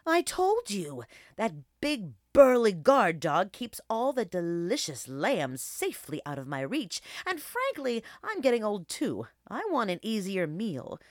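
A woman's voice: mid-range voice, wildly swooping pitch, unhurried, dry recording, clean studio sound, voice pushed up. Woman as a sly, lilting old she-wolf. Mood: coaxing, theatrical. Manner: teasing, scheming, persuasive. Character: sly, mischievous aging female gray wolf. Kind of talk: children's storybook character voice.

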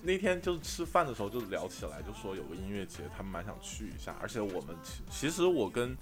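A man from Sichuan, China, co-hosting a podcast and telling a trip story in casual chat, animated and often laughing. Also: lowish voice, fast talker, music in the background. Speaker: podcast co-host.

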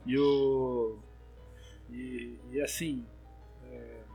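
A man's voice: mid-range voice, little pitch movement, extremely slow, vocal fry, mellow, soft background music. A young Brazilian man with a Brazilian Portuguese accent chats casually, telling spooky stories with many restarts and fillers. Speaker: storyteller.

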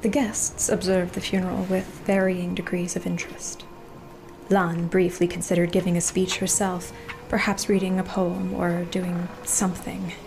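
A woman narrates a scripted dark fantasy tale in a measured, literary way. Her voice has a noticeable creak, and music plays clearly underneath. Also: lowish voice, low-quality recording. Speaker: story narrator.

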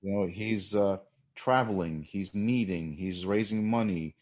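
A man's voice: sits low, a little slow, darkish tone. A man co-hosting a podcast, speaking in an earnest, reflective way. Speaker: podcast co-host. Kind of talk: casual podcast chat.

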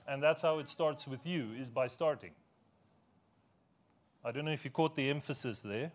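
A man's voice: medium pitch, moderate pace. Afrikaans-speaking man preaching a sermon. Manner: conversational, self-deprecating humor, asks congregation questions. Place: church.

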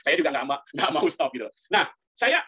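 A man's voice: a little high, very animated, normal speed, pushed and bright, slightly rough, dull audio. A man giving a Buddhist sermon in a colloquial, rhetorical way, often turning to address the congregation directly. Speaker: Buddhist preacher.

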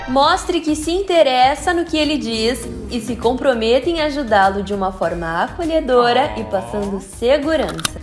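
A woman with a Brazilian Portuguese accent, hosting an educational podcast in an upbeat, didactic way with playful asides. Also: sits high. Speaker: podcast host giving customer-service tips. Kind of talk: scripted educational podcast narration. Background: background music.

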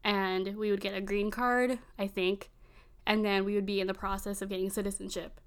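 A woman's voice: mid-range voice, level tone, clean tone. A woman in her early twenties, a native Filipino speaker who grew up in Virginia, rambling casually and filling her talk with "like". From Virginia, United States. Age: early 20s. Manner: rambling, fills every pause with "like". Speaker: conversation partner. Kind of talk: casual chat.

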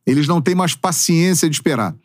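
A man in his forties, a sports narrator, chatting as a podcast guest in an expressive, talkative storytelling way with casual slang. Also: on the high side, quick pace, dry recording, clean studio sound. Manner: expressive storyteller with emphatic, swooping delivery. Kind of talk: casual interview chat.

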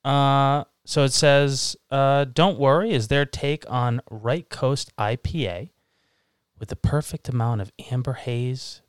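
A man in his thirties from Massachusetts co-hosts a relaxed podcast over beers. His voice is smooth and resonant, recorded close and dry with no room sound. He jokes, teases and laughs easily. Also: mid-range voice, takes it slowly, no room sound. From Massachusetts, USA. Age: 30s. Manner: joking, teasing, laughs often. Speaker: podcast co-host. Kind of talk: casual chat over beers.

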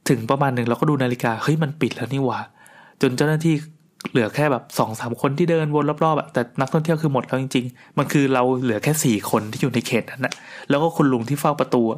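A middle-aged man casually telling a long personal story in a chatty, rambling way, with restarts and crude asides. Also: medium pitch.

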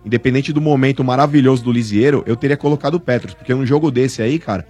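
A man argues football at a very fast clip. His voice is husky, he keeps dropping slang fillers, and faint music sits underneath. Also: mid-range voice, darkish tone. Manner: rapid slangy talk, many fillers like "cara" and "mano". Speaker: football talk show panelist. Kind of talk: casual sports debate.

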